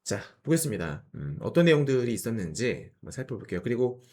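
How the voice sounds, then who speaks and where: A middle-aged man with a cold and a slightly hoarse voice hosts an investment channel, explaining market news to viewers with rhetorical questions, fillers and frequent throat clearing. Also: mid-range voice, very animated, fast talker, mellow.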